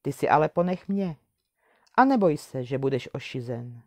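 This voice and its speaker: A woman voicing a small, skinny magical white horse who is wise and loyal, speaking in a gently reassuring, unhurried way in a storybook reading. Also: a bass voice, animated, dry recording, clean studio sound, exaggerated voice.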